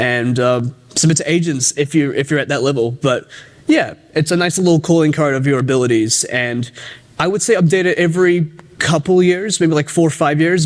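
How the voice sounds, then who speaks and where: Over noticeable background noise, a man with a New Zealand accent speaks at a fairly quick pace and a fairly high pitch. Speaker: voice actor giving a conference talk. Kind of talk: conference talk. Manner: casual, filler-heavy.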